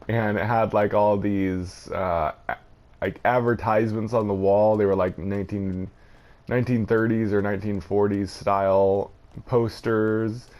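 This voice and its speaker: Low-pitched man casually commenting on a game. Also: dark tone. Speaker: gaming video host.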